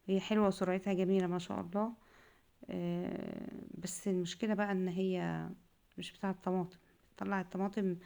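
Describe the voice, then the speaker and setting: Woman, Egyptian Arabic accent, middle-aged, quick chatty talk, gravelly edge, casual cooking vlog. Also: on the low side, a little mellow. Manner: chatty, rambling, homely. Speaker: home cooking vlogger.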